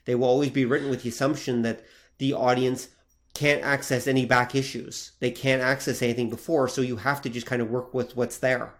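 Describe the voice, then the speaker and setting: A man co-hosting a podcast in casual chat, explaining points in a measured way. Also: medium pitch, level tone. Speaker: podcast co-host.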